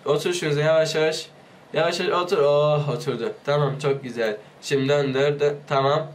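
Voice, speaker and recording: Sick and at risk of losing his voice, a gaming YouTuber narrates a let's play with excitement, alternately pleading with and yelling at the character he controls. He talks briskly in a fairly high voice.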